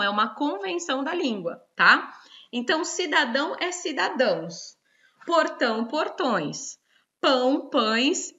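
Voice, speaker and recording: A woman's voice: on the high side, bright, forceful tone, muffled recording. A woman teacher with a Brazilian Portuguese accent, explaining grammar rules in an online lesson and checking in with frequent tag questions.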